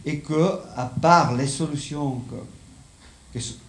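A man's voice: a little high, slow. A middle-aged man with a Spanish accent, a non-native speaker giving a live lecture and often searching for his words. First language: not French, speaks it as a foreign language. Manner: hesitant, searching for words in a second language. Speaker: conference speaker. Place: indoor lecture room with seated audience. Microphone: handheld microphone. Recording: echoey room, slight background noise.

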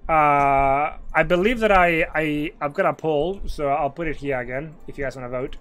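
A man streaming a game, reading its narration aloud slowly and earnestly and chatting loosely in between. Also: on the high side, a bit bright, soft background music. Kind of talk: reading a visual novel aloud with commentary.

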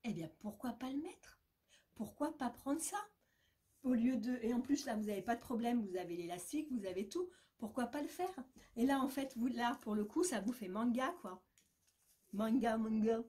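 A woman's voice: fairly high pitch, lively intonation, moderate pace, mellow. A woman chatting casually and enthusiastically through a beauty box unboxing, full of fillers and asides. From France.

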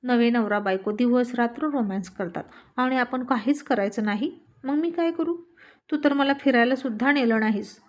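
Woman playing playful young wife, teasing, coaxing, higher pitch. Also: moderate pace, close to an everyday voice.

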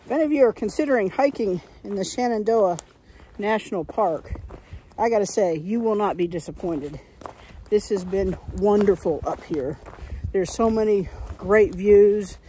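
A woman's voice: mid-range voice, moderate pace, warm tone, slight background noise, rough recording. A woman, chatting to a phone at arm's length while hiking a wooded mountain trail, upbeat and encouraging. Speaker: hiking vlogger. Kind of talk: casual vlog to camera. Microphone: phone held at arm's length.

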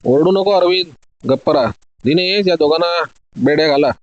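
Cool male detective in an audio story, measured and commanding, slightly dull sound, as the narrator puts him on. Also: fairly high pitch, dry recording, lightly acted. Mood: accusing. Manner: calm, commanding, methodical.

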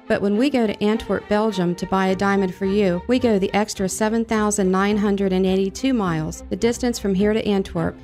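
A woman who runs a jewelry store, reading a scripted advertisement in a smooth, persuasive way. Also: mid-range voice. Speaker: jewelry store owner in a radio-style ad. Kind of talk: scripted ad read. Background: soft music.

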